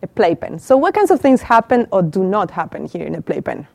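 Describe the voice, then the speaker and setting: This middle-aged Argentine professor, speaking with an Argentine Spanish accent, runs a brisk, interactive session with a small audience on a handheld mic, repeating their answers to her questions. Her medium-pitched voice swings widely in pitch, with vocal fry and a slightly mellow quality, and there is no room sound.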